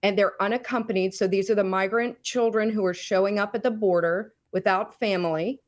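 A middle-aged woman speaking as an interview guest, explaining her own experience with deliberate, emphatic phrasing. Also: mid-range voice, fairly even intonation. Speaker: podcast guest, whistleblower. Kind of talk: explanatory personal account in an interview.

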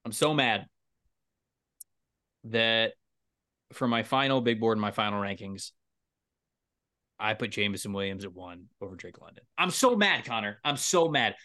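A young adult man co-hosting a podcast in a casual sports chat. He gets excitable and his pitch jumps up sharply when he is worked up. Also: moderate pace, pauses often, dry recording, clean studio sound. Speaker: podcast co-host.

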